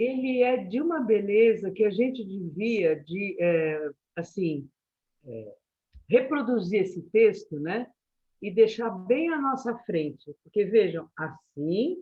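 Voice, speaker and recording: A woman at a very slow pace, with very wide pitch swings and big swings in loudness. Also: medium pitch for a woman. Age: 70s. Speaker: study group participant, psychologist. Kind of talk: online study group discussion. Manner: halting.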